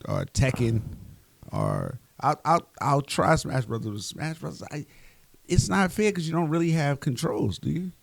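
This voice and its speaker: A man's voice: on the high side, sing-song, moderate pace, creaky, no echo. A man in his fifties, a comedian guest, chatting loosely on a podcast, joking and swearing freely. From Bronx, New York. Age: 50s. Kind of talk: casual podcast chat.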